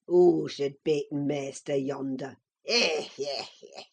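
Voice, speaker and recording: Woman doing a gleeful, spiteful old Yorkshire farmhand, creaky, hoarse whisper, pitched far down. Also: steady tone, slow, a little mellow, heavily acted. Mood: gloating. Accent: Yorkshire dialect. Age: older. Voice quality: croaking, whispery. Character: cackling old male farm servant, spiteful.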